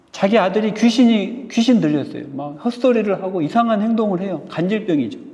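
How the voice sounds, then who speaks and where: A man's voice: high-pitched, mellow. A junior pastor, a man, preaching a sermon in a church and earnestly addressing the congregation. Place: church sanctuary. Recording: reverberant hall, slightly dull sound.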